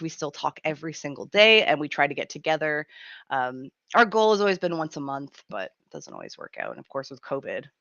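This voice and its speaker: Woman, thirties, raspy from a cold, chatty with lots of fillers, dry slightly muffled sound. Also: sits low, fairly bright tone, no room sound. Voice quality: raspy, grumbly. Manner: chatty, laughs often, many fillers. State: has a cold, gruff throat. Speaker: radio show host. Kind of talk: casual live-stream chat.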